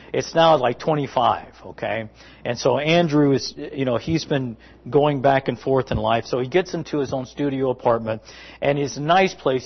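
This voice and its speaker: A man's voice: medium pitch, breathy edge. Folksy rambling preacher man, lo-fi. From South Florida. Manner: rambling, halting, folksy asides to the congregation. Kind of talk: conversational sermon with family stories.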